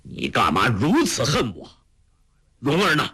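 A man's voice: medium pitch, wildly swooping pitch, measured pace, bright, forceful tone, slightly rough, pitched above the performer's own voice, full character voice. A man voicing a proud, eccentric older male martial master in a storybook, haughty and given to mocking laughter. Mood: puzzled.

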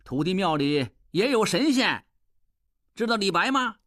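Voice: mid-range voice, big pitch swings, slow pace, dry recording, clean studio sound. An actor voicing a boastful ruined scholar. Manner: swings between whining and grand boasting. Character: proud penniless young male scholar, boastful. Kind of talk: audio drama acting.

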